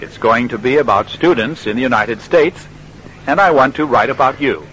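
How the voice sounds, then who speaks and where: An actor playing a friendly radio reporter in a scripted language-lesson dialogue, speaking clearly and patiently. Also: male voice, mid-range voice, moderate pace, fairly bright tone, slight background noise, natural voice, low-quality recording. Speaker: interviewer.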